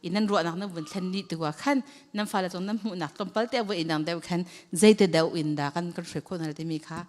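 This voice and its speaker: A woman's voice: lowish voice, very fast. A woman leading a church training session, talking conversationally to a group. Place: church hall. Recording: long hall reverb.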